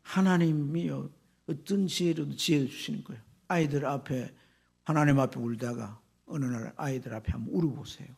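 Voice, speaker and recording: A man, a pastor, preaching a sermon with fervor, swinging from loud exclamations to hushed whispers. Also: on the high side, fairly quick, vocal fry, husky.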